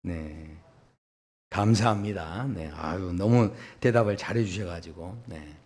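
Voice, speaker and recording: A male pastor preaching a sermon in a church sanctuary, animated and questioning the congregation directly. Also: deep voice, moderate pace.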